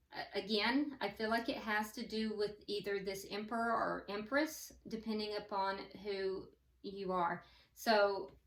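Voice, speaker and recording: A woman with a medium-pitched voice reads tarot as a fortune teller. She pauses to think aloud and speaks straight to the listener with advice. The sound is echoey and set back from the microphone. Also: a bit bright. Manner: hesitant, thinking aloud as cards are read; advising the listener directly. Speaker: tarot reader. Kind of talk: tarot card reading, fortune-teller talk. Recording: roomy echo, distant from the mic.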